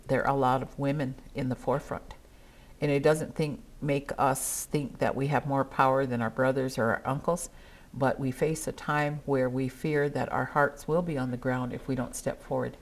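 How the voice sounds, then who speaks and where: An older woman whose first language is Dakota, speaking at a gathering in a measured, earnest way with pauses. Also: very deep voice. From South Dakota, USA. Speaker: treaty council member.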